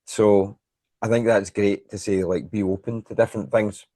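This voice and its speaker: A man's voice: fairly low pitch, steady tone, normal speed, dark tone, no echo. A man hosting a conversational educational interview, encouraging his guest and summing up before he asks questions. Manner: encouraging, summarises before asking. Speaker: interviewer, host.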